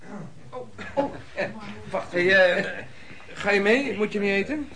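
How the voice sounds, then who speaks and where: An actor playing a shrewd but sociable peddler in radio drama dialogue, talking in a hesitant, colloquial bargaining manner. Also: male voice, sits high, slow, full character voice. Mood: friendly. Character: shrewd but sociable male peddler, haggling while acting helpful. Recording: busy room with loud chatter. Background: crowd chatter.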